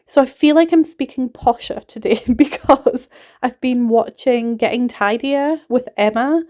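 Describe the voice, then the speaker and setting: In the voiceover for her cleaning vlog, a woman in her thirties chats casually, rambling and laughing often. Her voice sits on the high side, mellow and measured in pace, with a mixed northeast English and Scottish accent.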